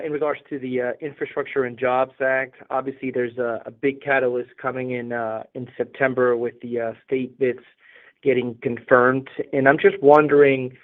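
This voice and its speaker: A man calling in as a financial analyst, asking polite questions in a halting, hesitant way. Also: mid-range voice. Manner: hesitant, halting, repeats words. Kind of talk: polite question on a conference call. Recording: tinny narrow phone line.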